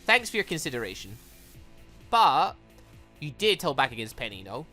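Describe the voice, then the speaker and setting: Really animated gamer reading a visual novel out loud, bright voice, bit of music behind. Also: medium pitch, normal speed. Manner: animated, excitable, exclaiming. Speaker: gaming YouTuber reading a visual novel aloud. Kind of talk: let's play commentary mixed with reading dialogue aloud. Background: video game music.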